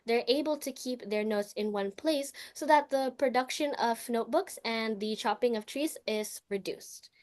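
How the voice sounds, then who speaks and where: A teenage girl from the Philippines earnestly introducing her project, a little halting. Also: fairly high pitch. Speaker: student innovator.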